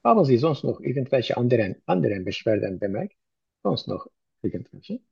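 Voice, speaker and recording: Man as a doctor taking a history; halting and hesitant, husky and dark, dull lo-fi recording. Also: mid-range voice, big pitch swings, no echo. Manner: slow, halting, many "äh" and "mhm". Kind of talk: medical exam role-play.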